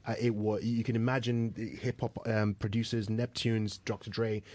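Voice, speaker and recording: A man's voice: lowish voice, little pitch movement, normal speed, a little mellow. A man hosting a studio interview, eager and admiring as he searches for his words. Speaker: host. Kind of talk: conversational interview. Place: radio studio.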